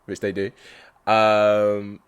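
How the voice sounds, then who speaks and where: A man hosts a relaxed interview, agreeable and curious as he questions his guest. His voice sits on the low side. He keeps the talk friendly and loose. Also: drawn-out words, clean tone. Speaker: podcast host. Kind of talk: casual interview chat.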